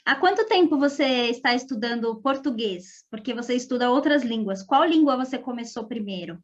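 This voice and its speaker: A woman's voice: on the high side, lively intonation, brisk, lo-fi sound. Brazilian woman hosting an interview. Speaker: host. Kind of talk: podcast interview.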